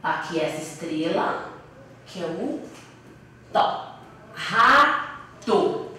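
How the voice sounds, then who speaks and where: A Brazilian primary school teacher, a woman, slowly explaining a lesson for young children and sounding out syllables. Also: fairly low pitch, big pitch swings, sharp tone, slight background noise. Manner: slow, patient, sounds out syllables. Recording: echoey room, voice from a distance.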